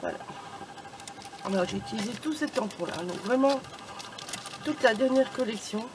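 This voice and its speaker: Chatty woman, craft tutorial host, casual and filler-heavy, clear background noise. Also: on the high side, expressive, normal speed. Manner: chatty, many fillers and "voilà", self-deprecating. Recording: noisy room ambience.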